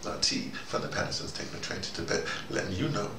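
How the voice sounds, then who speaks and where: A man giving a rambling, informal monologue as host, halting and digressive, often falling back on "you know". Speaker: host of a spoken dispatch series. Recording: roomy, noisy, distant microphone.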